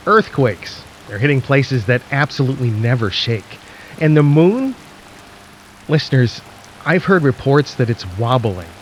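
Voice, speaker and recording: A man playing an anxious, ominous radio host in a radio drama, addressing listeners haltingly as the world ends. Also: mid-range voice, expressive, a little hiss or hum, natural voice, poor audio. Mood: grim, uneasy. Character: anxious late-night radio host broadcasting through an apocalypse.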